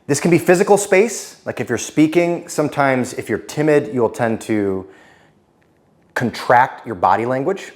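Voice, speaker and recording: A man teaching to camera as a speaking coach, blunt and direct, letting his pitch fall at the end of sentences. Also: lively intonation, a little slow. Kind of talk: instructional talk to camera.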